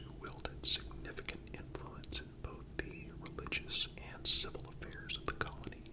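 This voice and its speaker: A man giving a calm, measured ASMR narration in a deliberate manner. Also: extremely high pitch, rough recording. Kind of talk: whispered ASMR history narration.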